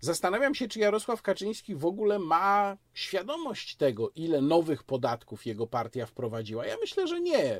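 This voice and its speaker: A man talks at a moderate pace with hardly any pauses, his high pitch making very wide swings. The recording is very clean, with a silent background. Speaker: political commentator. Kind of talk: solo video commentary. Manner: formal.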